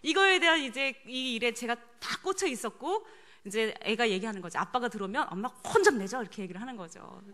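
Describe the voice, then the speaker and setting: Middle-aged woman giving a sermon, kinda high bright voice, tells a family story and keeps asking the crowd stuff. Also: fast. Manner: lively storytelling, asks the congregation questions. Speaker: preacher.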